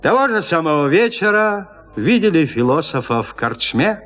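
A man narrating a classic tale in a radio drama, telling it in an expressive, dramatic way. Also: fairly high pitch, moderate pace.

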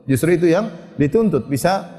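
A man preaches to a gathering of women, slowing down to chant scripture and then explaining it. His voice is warm and mellow, pitched a touch high. It rings with a long reverb, as if in a large hall. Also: expressive. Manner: recites Arabic verses slowly then explains. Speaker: Islamic preacher. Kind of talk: religious lecture to women.

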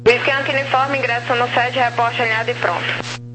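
A woman's voice: on the high side, steady tone, brisk. A woman with a Brazilian accent working as an air traffic controller, speaking in procedural phraseology over a walkie-talkie style radio. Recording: aviation radio with music behind.

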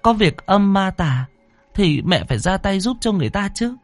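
A man's voice: high-pitched, big pitch swings, moderate pace, no echo, soft background music, pitched above the performer's own voice. A man voicing a grieving middle-aged mother who works as a spirit medium, stammering and pleading through tears. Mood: pleading, anxious.

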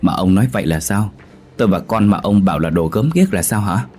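A man's voice: fairly quick, darkish tone, husky, faint music behind. A man voicing a frightened, nagging old village wife who scolds her husband, in a spoken ghost story. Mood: scolding. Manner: scolding, shrill calling out.

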